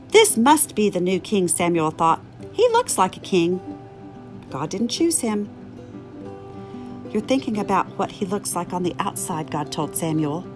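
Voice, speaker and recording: A woman narrates a children's Bible storybook in a mid-range voice. Her delivery is expressive and scripted, with dialogue acted out as part of the telling. Music plays clearly underneath. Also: medium pitch.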